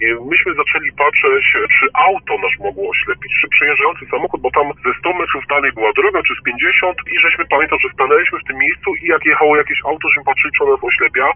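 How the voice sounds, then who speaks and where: A man at a very fast pace with hardly any pauses, over noticeable background noise. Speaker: UFO witness. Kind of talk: testimony. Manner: halting.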